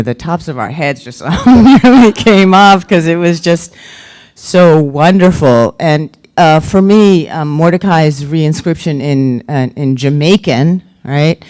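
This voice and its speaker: Woman poetry editor presenting at a reading; slow and mellow, halting with fillers. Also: sits low. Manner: halting, thoughtful, many fillers. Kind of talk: literary reading and talk.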